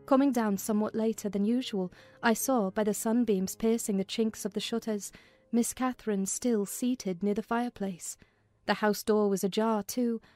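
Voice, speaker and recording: A woman's voice: fairly high pitch, mellow, no echo. A woman reading literary narration as a dramatized audiobook. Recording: music behind the voice.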